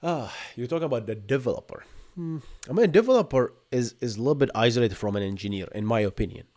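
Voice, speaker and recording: Speaking fast at a medium pitch, this Bahraini podcast host in his thirties, with an Arabic accent, explains tech questions in energetic bursts during a home live stream. He frequently tags on "right?" and talks into a desk microphone placed in front of him.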